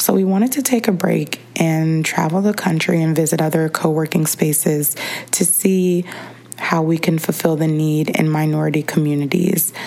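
Noticeable background noise behind a woman with a very deep, low pitch, ordinary pitch variation and very even loudness. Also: moderate pace. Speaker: entrepreneur, co-founder. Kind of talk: interview answers, casual.

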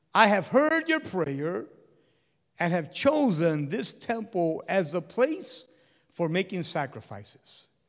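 Very slowly, a man speaks at a high pitch, his voice swinging very widely in pitch. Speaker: pastor. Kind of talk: sermon. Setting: church with congregation. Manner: switches between Spanish and English line by line, repeating each point.

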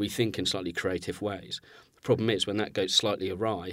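On a very clean recording with a silent background, a man with a southern English accent talks at a moderate pace and fairly low pitch. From England, Buckinghamshire. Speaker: PR agency director. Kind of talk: interview.

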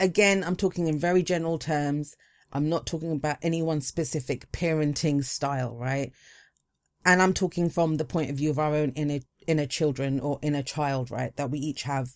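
The pace of speech is fairly quick. The recording is very clean, and the background is silent. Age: 40s. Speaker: tarot and astrology content creator. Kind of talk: solo monologue.

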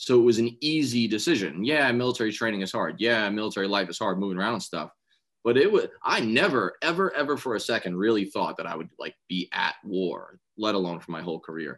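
The delivery comes at a very fast pace with lively intonation. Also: man, fairly low pitch for a man. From Staten Island, New York. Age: 30s. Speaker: retired army officer and peace activist. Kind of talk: interview. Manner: halting.

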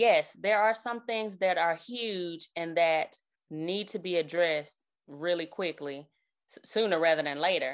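A woman's unremarkable speaking voice, fairly low in pitch, with an American accent, fairly slow pace, ordinary pitch variation and big swings in loudness, against a quiet background. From Birmingham, Alabama (US South). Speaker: marriage coach, former Marine. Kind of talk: interview conversation.

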